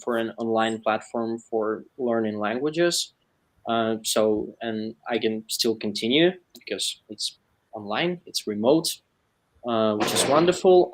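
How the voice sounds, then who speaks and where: A man with a Ukrainian accent and an average-pitched voice speaks as a panel guest. He tells a personal account in a conversational way.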